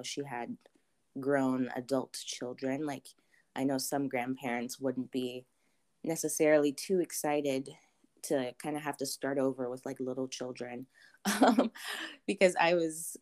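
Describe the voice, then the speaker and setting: A young adult woman from Zambia, answering interview questions thoughtfully with many pauses and ums. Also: extremely low pitch, darkish tone. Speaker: interview guest.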